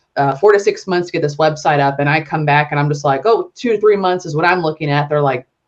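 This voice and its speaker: A woman talks at a very fast pace with hardly any pauses. Her pitch is very deep and low, and she has a Southern US accent. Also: ordinary pitch variation. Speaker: web developer and entrepreneur. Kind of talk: casual interview chat.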